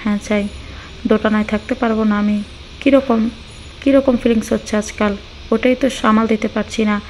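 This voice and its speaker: A quarrelsome young wife from an audio storybook, prickly and snappy, unsure of her own feelings, as a woman reads her in a slightly high voice. A faint hiss runs beneath. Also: steady tone, normal speed, a little mellow, natural voice, rough recording. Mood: torn. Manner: irritated, snappy retorts.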